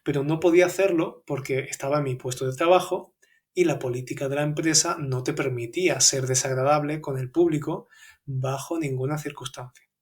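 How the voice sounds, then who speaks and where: Andalusian man telling a story, higher voice. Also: steady tone, brisk. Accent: Andalusian Spanish. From Andalusia, Spain. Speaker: podcast host and Spanish teacher. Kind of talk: scripted personal storytelling for learners.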